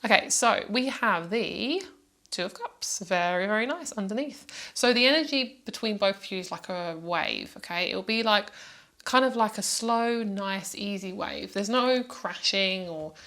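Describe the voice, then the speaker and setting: A woman's voice: mid-range voice, animated, measured pace, a bit bright. A woman giving a casual, intuitive tarot reading, chatting in a meandering, reassuring way straight to the listener. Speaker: tarot card reader.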